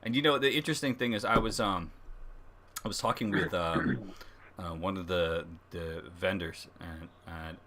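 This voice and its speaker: A man with a fairly low voice hosts a casual live review. He talks in a halting, conversational way, working out his thoughts as he speaks. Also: pushed and bright, a little hiss or hum. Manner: halting, thinking aloud. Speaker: host of a beer review livestream. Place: livestream, speaking beside a laptop.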